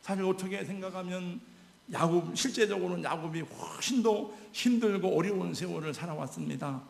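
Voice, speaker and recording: A male pastor delivering an emotional, exhorting sermon. His voice sits high for a man and is gravelly. It echoes through a roomy church sanctuary. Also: a little fast.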